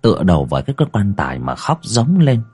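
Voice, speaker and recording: A man narrating a ghost story in a dramatic, expressive storytelling manner. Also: lowish voice, fast, slightly rough.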